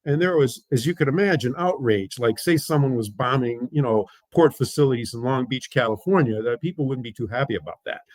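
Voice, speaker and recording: Older guy, lithuanian first language, slow measured storytelling, dry close sound. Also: medium pitch, no echo. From United States. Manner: measured, pausing with "uh" between thoughts. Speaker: interview guest. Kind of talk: storytelling interview answers.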